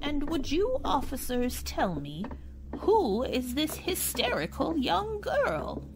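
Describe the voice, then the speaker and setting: A woman's voice: high-pitched, huge pitch swings, slow, exaggerated voice, low-quality recording. A woman playing a prim, sinister old woman who is secretly a cat creature in a radio horror drama. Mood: cool, indignant. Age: older.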